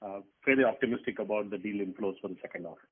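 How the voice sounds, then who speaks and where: A man's voice: on the low side, quick pace, husky. A man speaking as a company executive, giving a wordy, unscripted answer with restarted phrases on an earnings call. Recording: tinny phone conference line.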